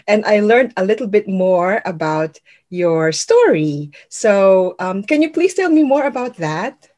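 A woman with a Filipino accent hosts a relaxed, informal interview. Her voice sits at an average pitch for a woman. She slips between English and Tagalog within sentences. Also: unhurried. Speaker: interview host. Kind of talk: casual interview.

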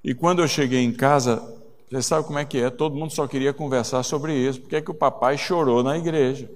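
A man's voice: medium pitch, fairly even intonation, fast. A man preaching a sermon, telling a story and growing emotional, his voice rising when he is moved. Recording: long hall reverb.

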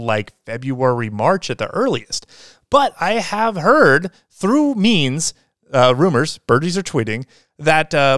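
A man's voice: fairly high pitch, fairly bright tone, clean tone, no room sound, studio quality. A man hosting a casual solo podcast, talking in an upbeat, rambling way with lots of fillers and restarts. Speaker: podcast host.

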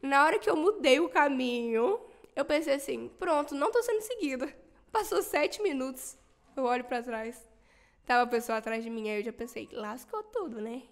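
A young woman from Minas Gerais with a Brazilian Portuguese accent, a podcast guest telling a story in a lively, animated way. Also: high-pitched, normal speed. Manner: animated, laughs while telling a scary story. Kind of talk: casual storytelling.

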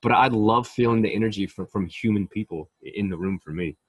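A man's voice: on the low side, fairly quick, breathy edge, no room sound. A man, an actor being interviewed, talking casually and eagerly about his work, with frequent restarts and repeated words. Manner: enthusiastic, rambling with many restarts. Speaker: actor guest.

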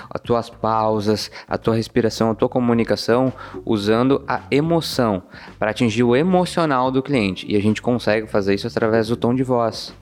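A man of middle pitch hosts a podcast and talks through his points at length. He is emphatic and shifts his tone to show what he means. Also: a little mellow. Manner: emphatic, demonstrates tones while explaining. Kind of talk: explanatory podcast talk.

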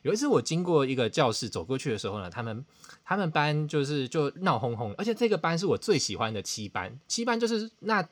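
Animated fast-talking man. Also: mid-range voice. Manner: animated, self-mocking, dramatic outbursts. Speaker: podcast host. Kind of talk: casual storytelling chat.

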